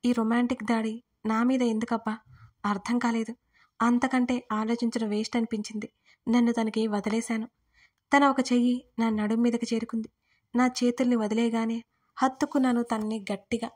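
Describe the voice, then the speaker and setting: A young woman reads a romance story aloud as its heroine, in the first person. Her voice sits a little high for a woman. She keeps the telling intimate and full of feeling. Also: little pitch movement, normal speed, a little mellow. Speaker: audio story narrator.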